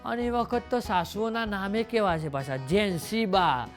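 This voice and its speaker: A man performing stand-up comedy, telling jokes and stories to the audience in a lively way. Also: sits high, moderate pace, over loud music.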